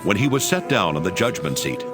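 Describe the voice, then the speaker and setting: A man's voice: deep voice, big pitch swings, brisk, music in the background. A man narrating scripture as a dramatized reading.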